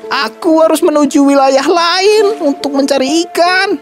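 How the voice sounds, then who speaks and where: A woman voicing an elderly male fisherman, hardworking and stubborn, in a cartoon story; she speaks in a slow, earnest, fussy way. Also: high voice, faint music behind. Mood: disappointed.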